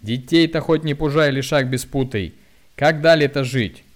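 A man's voice: mid-range voice, moderate pace, voice pushed up, lightly acted. A man voicing a weary middle-aged village woman who pleads with and scolds her drunk husband in rustic speech. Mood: frightened shriek.

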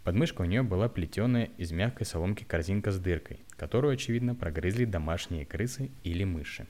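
A man reading a story aloud in a plain, steady way, with occasional stumbles. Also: low voice, quick pace. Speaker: narrator.

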